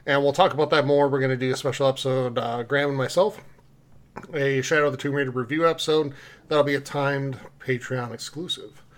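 A man's voice: medium pitch, steady tone, fairly quick. A man hosting a podcast in a casual, conversational way, speaking informally to co-hosts and listeners. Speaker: podcast host. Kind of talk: casual podcast talk with community announcements.

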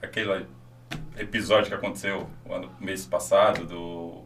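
A man hosting a casual interview, asking questions in a relaxed, informal way. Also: deep voice, normal speed. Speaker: host.

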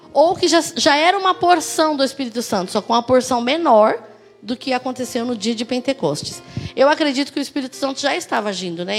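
Brazilian woman preacher, high voice, animated, rhetorical questions, faint music behind. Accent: Brazilian Portuguese. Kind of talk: sermon with personal stories.

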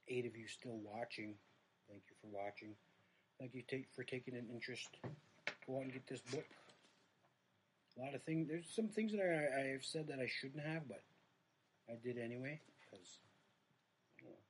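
Middle-aged Native American man, reservation accent, noisy livestream. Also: mid-range voice. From Red Lake reservation, United States. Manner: self-deprecating, wandering, trailing off. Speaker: comedian, live-stream host. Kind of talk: casual rambling livestream chat.

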